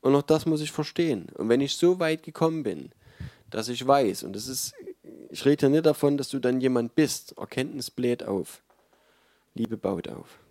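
Mellow-voiced German man preaching. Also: mid-range voice, animated, moderate pace, no room sound, studio quality. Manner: conversational preaching, emphatic, with frequent fillers. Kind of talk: sermon.

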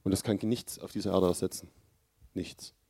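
A man preaching a sermon, with earnest, loud emphasis that drops to low, quiet lines. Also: fairly even intonation, fast talker, breathy edge, dry recording.

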